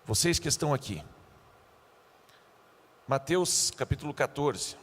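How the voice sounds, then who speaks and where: Lively man preaching in a reverberant hall. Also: on the high side, measured pace, husky. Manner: animated, joking, acts out scenes. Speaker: pastor. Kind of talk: youth sermon.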